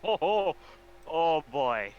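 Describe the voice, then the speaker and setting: Male player, animated intonation, slow casual talk, muffled lo-fi mic, faint music. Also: medium pitch, slight background noise. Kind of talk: casual tabletop game talk.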